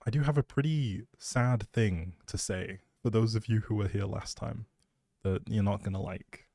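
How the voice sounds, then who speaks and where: A man's voice: lowish voice, normal speed, warm tone, no echo. A man hosting a livestream, rambling casually and chattily, often breaking off mid-thought, speaking close to the mic. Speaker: live streamer, host.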